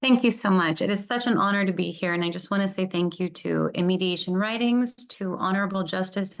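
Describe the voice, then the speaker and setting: Casting: woman with a gravelly edge, earnest and deliberate award acceptance. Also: on the low side. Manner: earnest, listing points deliberately. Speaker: award recipient, employment lawyer. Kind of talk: acceptance speech.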